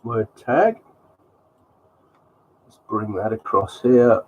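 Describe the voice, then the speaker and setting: A man's voice: on the low side, expressive, very slow, darkish tone, muffled recording. A man with a cold, sounding sniffly, hosting a live stream and talking through slides in a rambling way with many ums. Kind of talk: casual live commentary on slides.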